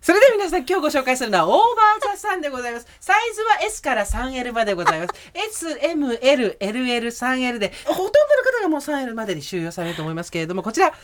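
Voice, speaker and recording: A woman's voice: high voice, big pitch swings, rapid-fire, few pauses, a little hiss or hum. A woman voicing a polite female TV shopping host pushing stock in a customer service voice. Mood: polite selling. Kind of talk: home shopping sales pitch parody.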